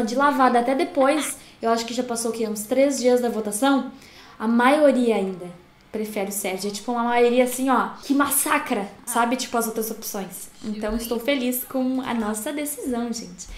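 Brief: high-pitched Brazilian woman, gushing gameplay commentary, echoey room with faint hiss. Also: normal speed. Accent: Brazilian Portuguese. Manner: chatty, gushing, talks to viewers. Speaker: gaming YouTuber. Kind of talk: casual let's-play commentary.

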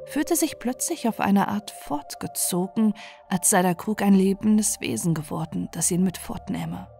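A woman narrating a scripted fairy tale for bedtime in a measured, expressive storytelling manner. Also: medium pitch, vocal fry.

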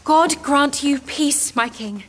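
Young peasant holy maiden, earnest, formal, fervent, fairly high voice, audio drama. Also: female voice, takes it slowly, slight background noise. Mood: solemn, assured.

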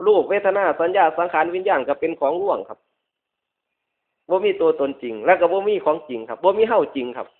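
A man's voice on the high side, expressive and brisk, preaches as a Buddhist monk in a northeastern Thai Isan accent. He hammers points through repetition and uses polite phrase endings. The recording is lo-fi and dull, reminiscent of radio.

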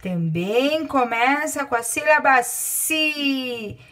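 With a fairly bright tone and a high voice, a woman teacher from Brazil dictates words to young children in a Brazilian Portuguese accent. She counts out loud and lengthens each word slowly.

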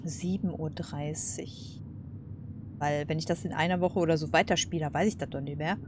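Low-pitched woman casually commenting on a game. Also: fairly even intonation, normal speed, noisy background. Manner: informal, slangy, musing aloud. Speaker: let's play host.

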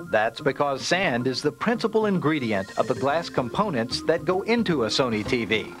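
A middle-aged American man presenting a scripted industrial film in a polished, promotional manner. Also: fairly high pitch. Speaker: corporate video presenter. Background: background music.

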